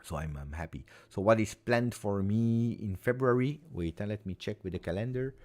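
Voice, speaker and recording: Here a forties-aged man hosts a laid-back live viewer chat for a fan channel, his fairly low, slightly mellow voice moving at normal speed. Not a native English speaker, he wanders from point to point and repeats himself with sincerity.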